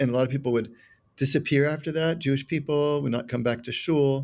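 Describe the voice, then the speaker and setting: Speaking with an American accent, a man uses an ordinary speaking voice at a medium pitch, a moderate pace and fairly even intonation. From Northern California, San Francisco Bay Area. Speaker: filmmaker. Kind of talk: interview storytelling.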